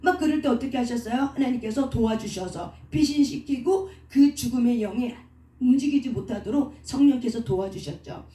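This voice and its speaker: A woman's voice: a little high, moderate pace, dark tone. A woman pastor preaching a sermon who keeps asking the congregation questions and answering them herself. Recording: echoey room, voice from a distance.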